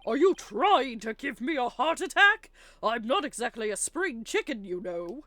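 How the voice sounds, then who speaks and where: A woman's voice: on the high side, big pitch swings, normal speed, a bit bright. A woman voicing a fussy, easily startled elderly male judge in a courtroom video game. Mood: startled, stern.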